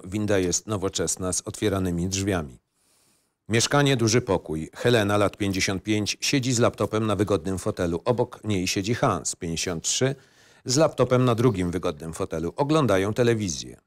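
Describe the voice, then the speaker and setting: A man reading scene headings and stage directions as the narrator of a screenplay. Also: deep voice.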